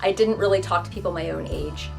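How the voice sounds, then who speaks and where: A young woman vlogger talking casually to the camera, chatty and self-deprecating, breaking into quick voiced asides. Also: fairly low pitch, vocal fry, darkish tone, soft background music.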